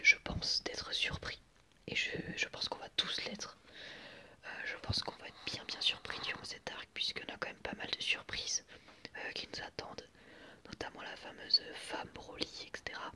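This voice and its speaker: A young man whispering in a breathy, unvoiced voice as he gives ASMR commentary in a reflective, hesitant, rambling way. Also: normal speed, bright, forceful tone. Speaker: ASMR video creator.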